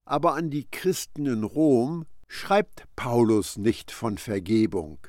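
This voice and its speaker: A man's voice: medium pitch, very animated, takes it slowly, darkish tone, dry recording, clean studio sound. A man preaching a Bible commentary, speaking emphatically and addressing the listener directly. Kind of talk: sermon-style Bible commentary.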